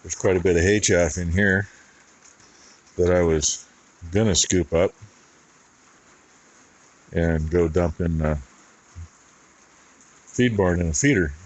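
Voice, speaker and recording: A man's voice: low voice, slow, long pauses, low-quality recording. A middle-aged man rambling and thinking aloud in a folksy way, talking casually as he does farm chores. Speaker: farmer vlogger. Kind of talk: casual vlog talk while doing farm chores. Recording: noticeable background noise and rattling.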